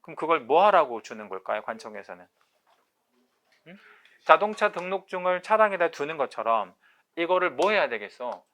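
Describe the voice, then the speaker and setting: A man's voice: fairly high pitch, sing-song, moderate pace, a bit bright. A male lecturer teaching an online exam-prep class, quizzing his students with questions and drilling key terms by repeating them. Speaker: real estate agent exam lecturer.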